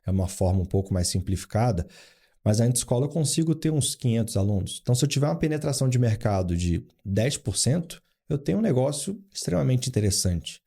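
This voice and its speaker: This guest, a founder and board adviser in his forties from Rio de Janeiro, Brazil, talks fast in a sing-song, medium-pitched voice that is mellow, slightly rough and touched with vocal fry. In a casual interview, he spins business stories packed with anecdotes and acted-out quotes.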